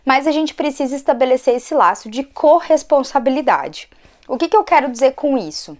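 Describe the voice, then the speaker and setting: A hoarse woman, fighting a cold, giving a conversational educational talk to her channel as an occupational therapist. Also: sits high, lively intonation, moderate pace, a little mellow. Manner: conversational, frequent tag questions.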